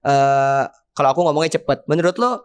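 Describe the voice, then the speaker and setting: A woman with a Jakarta Indonesian accent hosting a casual interview, chatty and quick to agree, mixing in English. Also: low voice, fairly even intonation, a little mellow, smooth. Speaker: podcast host and interviewer.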